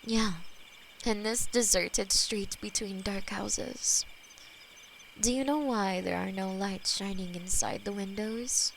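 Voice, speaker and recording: A woman voicing a centuries-old female demon who keeps a human as her pet, speaking slowly and intimately with a possessive edge. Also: mid-range voice, fairly even intonation, gravelly, a little hiss or hum. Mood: wistful. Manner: slow, intimate, possessive, softly spoken. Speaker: voice actor in audio roleplay. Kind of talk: scripted audio roleplay.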